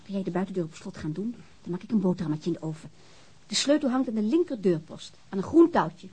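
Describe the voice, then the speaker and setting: A woman's voice: medium pitch, expressive, quick pace, dark tone, breathy edge. An actress playing a cheerful, casual, carefree woman at home in a radio drama. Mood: light, cheerful.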